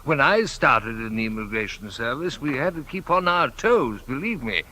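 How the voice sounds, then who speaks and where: A man's voice: medium pitch, very animated, moderate pace, pushed and bright, slight background noise. A man playing a grumbling, officious older gatekeeper in a 1950s radio play. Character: gruff older male gatekeeper, grumbling bureaucrat.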